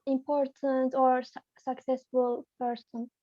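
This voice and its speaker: High, slow-spoken young student woman. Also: flat delivery, warm tone, dull audio. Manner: hesitant, short replies.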